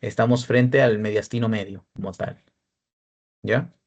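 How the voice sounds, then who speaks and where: Unhurried and fairly even in intonation, a young man with a lowish voice gives a radiology lecture as a peer tutor, working through cases and frequently checking on his listeners. The sound is lo-fi.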